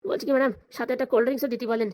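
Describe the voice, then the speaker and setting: A woman voicing a comic, flattering village lackey in a cartoon, deferential and whining in a rural Bengali dialect. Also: on the high side, rapid-fire, close to an everyday voice. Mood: wheedling.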